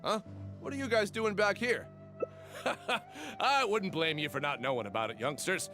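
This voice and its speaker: A man's voice: high voice, normal speed, bright, forceful tone, soft background music. A man voicing a gossipy older villager in a video game, telling things with dramatic flair. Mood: storytelling. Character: gossipy older villager spinning an old legend. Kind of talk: English video game voice acting.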